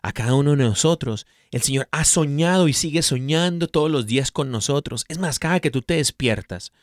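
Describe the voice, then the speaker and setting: Animated man preaching in a dry room. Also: on the high side, a little fast, no room sound. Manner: animated, exhorting listeners directly, acts out voices playfully. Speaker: co-host of a Catholic radio program. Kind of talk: preaching in casual chat.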